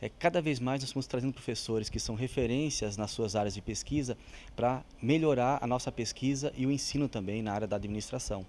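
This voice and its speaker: A middle-aged man with a Brazilian Portuguese accent, answering an interview into a handheld mic and pausing often on filler sounds. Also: mid-range voice, a little mellow, slight background noise. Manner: hesitant, many filler sounds. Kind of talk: on-camera interview. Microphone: handheld reporter mic.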